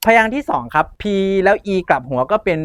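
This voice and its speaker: A middle-aged man teaching English pronunciation in a short video lesson, drawing out model words slowly for students to repeat. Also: high voice, expressive, a bit bright, slight background noise. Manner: slow, drawn-out model pronunciations for the class to repeat.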